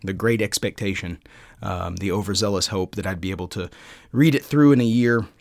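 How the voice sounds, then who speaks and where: A man hosting a podcast, talking casually and haltingly, with frequent pauses as he recommends books. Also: sits low, vocal fry, a little mellow, no room sound, studio quality. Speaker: podcast host.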